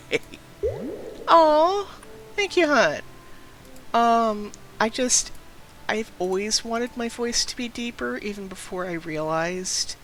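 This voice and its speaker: A man's voice: high-pitched, sharp tone, a little hiss or hum. A young trans man with a light, youthful-sounding voice chatting casually on a game stream, rambling through stories, laughing often and breaking off to greet viewers. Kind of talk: casual live-stream chat.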